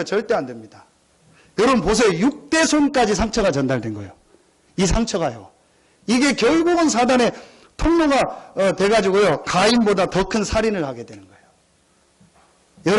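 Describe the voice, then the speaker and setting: In a church sanctuary, a middle-aged pastor with a very high-pitched voice preaches a sermon. He's emphatic and repetitive, often calling out to the congregation.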